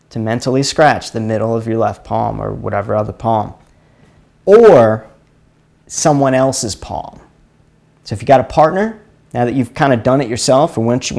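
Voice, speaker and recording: A man with a Chalmette Louisiana accent talks at a middle pitch as he leads a casual live stream. He rambles, restarts his sentences and repeats words as he walks viewers through an exercise. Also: creaky, darkish tone. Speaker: live stream host teaching energy healing.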